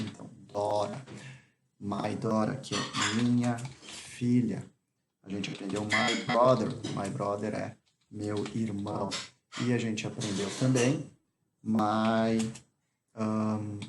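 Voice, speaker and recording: A man teaching English in Portuguese, explaining greetings and slowly repeating each example phrase. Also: on the low side, background noise.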